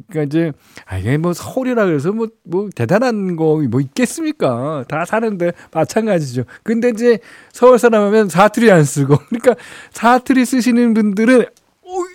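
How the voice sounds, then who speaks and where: A man's voice: fairly high pitch, a little mellow, no room sound. Chatty male radio DJ, dry studio sound. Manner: chatty, chuckles often, many fillers. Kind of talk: casual radio chat reading listener messages. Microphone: studio microphone.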